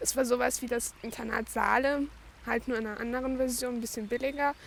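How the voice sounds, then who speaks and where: A woman with a high pitch talks at a very fast pace over noticeable background noise. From western Germany, Ruhr area (near Bochum). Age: 20s. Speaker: interviewee, aspiring actress. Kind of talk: interview. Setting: outdoors by a river.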